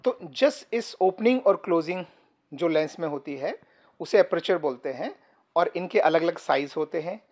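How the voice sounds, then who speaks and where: A man teaching photography to the camera from a sofa indoors. He explains step by step, pauses often and uses fillers, and is recorded by a camera about three feet away. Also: fairly high pitch, expressive, darkish tone. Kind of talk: casual explainer tutorial to camera. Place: indoor room, seated on a sofa.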